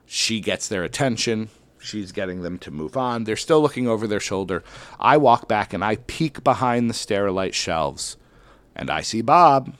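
A man with a notably deep, low voice tells a personal story to an audience. He is a schoolteacher, and his telling is animated, with sudden loud bursts and slow dramatic drops. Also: dry recording. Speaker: elementary school teacher.

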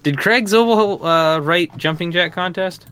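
A man co-hosting a casual podcast, chatty and quick to laugh, with plenty of fillers. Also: high voice, fairly bright tone, a little hiss or hum. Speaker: podcast co-host.

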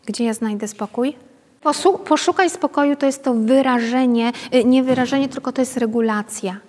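A woman's voice: high-pitched, moderate pace, a little mellow. A woman, a pedagogue, giving an informal workshop talk to a group, chatty and often checking in with her listeners through tag questions. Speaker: pedagogue leading a parenting workshop. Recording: long reverb from a hall.

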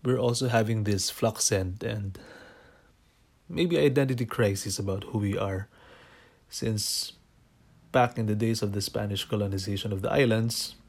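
A man's voice: lowish voice, moderate pace, creaky. Reflective man from the Philippines. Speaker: podcast guest. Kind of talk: personal storytelling.

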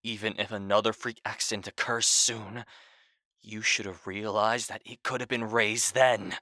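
A man's voice: fairly low pitch, fairly even intonation, normal speed, sharp tone, no echo, clean studio sound. A man playing a blunt grown son, a fierce family peacemaker, in an audio drama. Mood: forceful, angry.

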